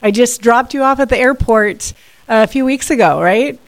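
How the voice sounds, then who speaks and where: A woman's voice: on the high side, normal speed. A woman hosting a Catholic radio talk show, introducing segments and guests in a friendly way with some fillers and restarts. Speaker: radio host and executive director.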